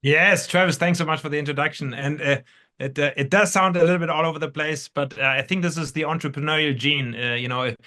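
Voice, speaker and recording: Bright-voiced, higher-pitched man from Germany. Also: fairly even intonation. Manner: halting, rambling, repeats words. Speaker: podcast guest, entrepreneur. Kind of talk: casual anecdotal interview storytelling.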